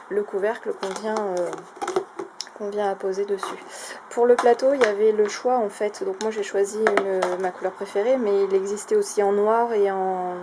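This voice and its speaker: A woman casually showing a craft shopping haul, talking in a chatty, hesitant way with many fillers. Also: medium pitch. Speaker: craft vlogger. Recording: noisy home recording.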